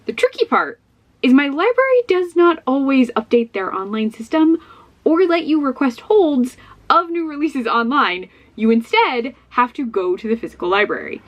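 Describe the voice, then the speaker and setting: A woman's voice: sits high, sing-song, normal speed. A young woman vlogging to her camera in a chatty, rambling way, full of fillers and asides. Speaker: book vlogger. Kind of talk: casual talk to camera. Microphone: camera facing her.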